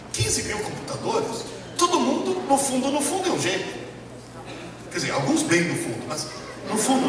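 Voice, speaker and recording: A man with an Italian accent and Italian as his first language, giving a lively, joking lecture to a live audience and asking them questions. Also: high-pitched. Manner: animated, jokey, asks the audience questions. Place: large hall with a live audience. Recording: echoey hall from far off, noisy.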